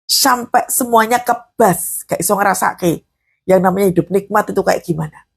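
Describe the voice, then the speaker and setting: A woman's voice: mid-range voice, normal speed, creaky, breathy edge. A woman preacher and counselor with a Javanese-inflected accent, giving a morning devotional sermon in a conversational way, asking questions and answering them herself. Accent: Javanese-inflected Indonesian.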